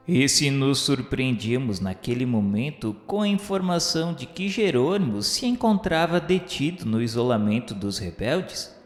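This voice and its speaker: A man with a Brazilian accent acting as a solemn, remorseful scholar's spirit, narrating a radio drama in measured, literary phrasing. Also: mid-range voice. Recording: echoey hall reverb under music. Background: music.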